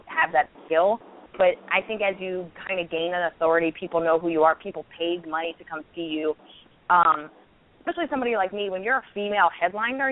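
A woman in her thirties, a stand-up comedian, telling stories candidly with quick restarts in a casual interview. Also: on the low side. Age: 30s. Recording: tinny phone-like line with faint noise.

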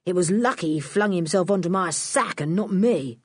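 A growling, grim crook of a man speaks low and hard, as a woman reader puts him on. The voice has a slightly husky edge and sits close and dry, with no room around it. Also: lively intonation, moderate pace, a little mellow, no room sound. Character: gruff menacing male criminal.

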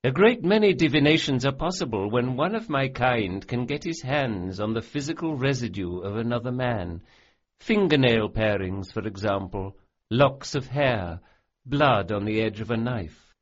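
A man's voice: medium pitch, expressive, moderate pace, lo-fi sound, natural voice. A man voicing a smug, cruel male sorcerer who sneers and relishes every cruelty. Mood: gloating.

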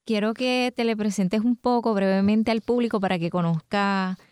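A woman hosting a radio talk show from a studio, speaking in a measured, explanatory way. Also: medium pitch, fairly even intonation, darkish tone, clean tone, no room sound. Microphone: studio microphone.

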